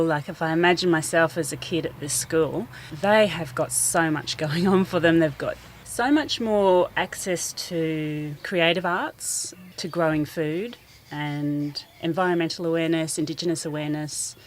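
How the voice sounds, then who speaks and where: Low-voiced New woman, earnest. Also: slight background noise. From New Zealand. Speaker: school garden teacher. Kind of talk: radio interview, outdoor. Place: school garden outdoors.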